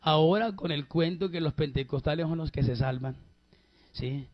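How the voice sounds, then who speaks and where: A fairly high-voiced man preaching with emphatic, drawn-out phrases, telling his own testimony to a congregation. The recording is dull and lo-fi, with the top end rolled off. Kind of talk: sermon testimony.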